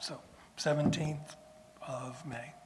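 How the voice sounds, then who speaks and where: With audible room echo and noticeable background noise, a man talks at a fairly high pitch. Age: 70s. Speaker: local car show organizer. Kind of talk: public presentation at town meeting. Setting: town meeting room. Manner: informal, with frequent fillers.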